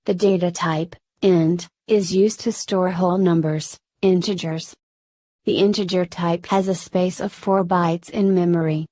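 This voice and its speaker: A woman's voice: fairly low pitch, measured pace, no echo. Dry, robotic-sounding woman tutor. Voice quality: flat, synthetic-sounding delivery. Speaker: programming tutor. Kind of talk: scripted tutorial narration.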